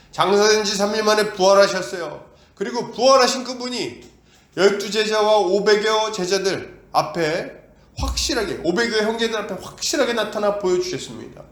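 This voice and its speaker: His high voice echoes through the church as he preaches with force. He poses rhetorical questions to the congregation and impersonates both doubters and God.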